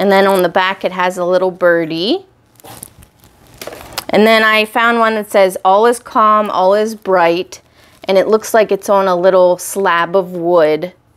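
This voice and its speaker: A woman speaks with fairly even intonation and long, frequent pauses. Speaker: haul vlogger. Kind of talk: casual vlog chat. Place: home room. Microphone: lapel.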